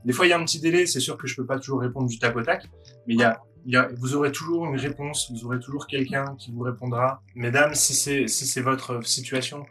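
A man hosting a Christian video talk, encouraging viewers with many halting restarts. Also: mid-range voice, fairly even intonation, a bit bright, soft background music. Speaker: host of Christian video channel.

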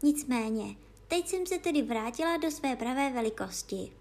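A woman voicing a polite young girl in a storybook reading, with a raised, drawn-out, indignant girlish voice. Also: sits high, expressive, darkish tone. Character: young girl, polite but easily offended.

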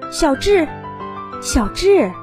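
A storybook mother dinosaur, voiced by a woman, fussing with anxious tenderness. Her voice sits high and swings in a lively way, with faint music behind it. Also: drawn-out words, exaggerated voice. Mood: worried, calling out.

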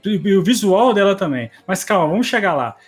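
A man's voice: high voice, very animated, a little fast, breathy edge, soft background music. A man with a Brazilian accent chatting in a podcast, exasperated and full of slang. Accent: Brazilian Portuguese. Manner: exasperated, repeats "velho". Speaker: podcast co-host. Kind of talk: casual podcast chat.

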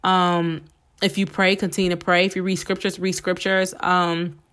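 A woman hosting a casual solo podcast, chatty and encouraging with many fillers, her voice slightly hoarse from a cold. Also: on the low side, level tone, moderate pace, a bit bright. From United States. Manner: chatty and encouraging, many "um"s, addresses listeners as "y'all". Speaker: podcast host.

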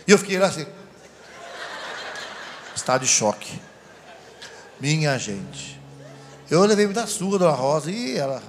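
A male preacher delivers a sermon through personal stories, animated and often laughing as he talks to a live audience. His voice sits a little high for a man. A faint hiss runs under the recording. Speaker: deacon preacher.

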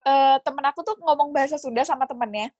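A woman's voice: high voice, fast, dry recording, dull audio. A woman from Java co-hosting a podcast, chatting casually and acting out quoted dialogue as she tells stories. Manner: animated storyteller, acts out quoted dialogue. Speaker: podcast co-host. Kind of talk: casual chat.

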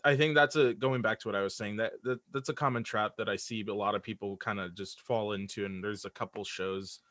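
A young man speaking as an interview guest in casual chat, earnest and halting, often repeating words as he thinks. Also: lowish voice, fairly even intonation, a bit bright, dry recording, clean studio sound. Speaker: guest, audio drama creator.

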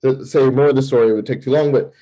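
A man who serves as a campus minister, a podcast guest who tells a personal testimony in animated storytelling bursts, with fillers and restarts. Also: medium pitch, fast talker, rough recording. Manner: animated storytelling, acting out his own past thoughts.

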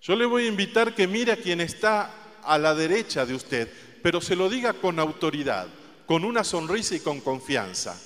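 Male preacher, fairly high voice, gentle stress on key phrases, recorded in a reverberant church. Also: sing-song. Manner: slow, deliberate, soft emphasis on quoted words. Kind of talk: sermon. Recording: long reverb of a large hall.

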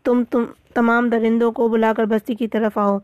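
A bold jungle hero who gives stern, decisive orders, as a woman reads him aloud. His voice is a little high and stays level. The sound is dry, with no room echo. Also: flat delivery, a little mellow, highs cut off, close to an everyday voice.

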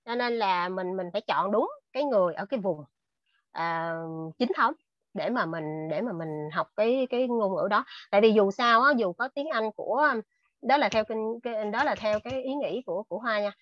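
This invited speaker now uses a mid-range voice at a moderate pace, still earnestly giving advice over a casual video call. She leans on fillers and keeps restarting her sentences. There's no echo, though the call audio sounds dull and lo-fi.

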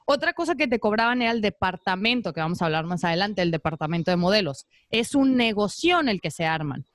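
A woman's voice: medium pitch, fast talker, no echo, clean studio sound. A woman with a Mexican accent, a former model, telling stories in casual chat and acting out quoted voices. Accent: Mexican Spanish. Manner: animated storytelling, acts out quoted voices. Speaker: podcast guest, former model.

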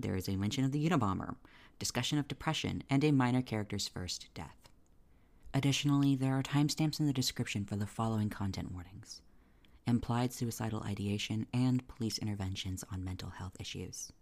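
A man's voice: fairly low pitch, fairly quick, creaky, darkish tone. A man reading scripted podcast announcements as the show's producer and announcer.

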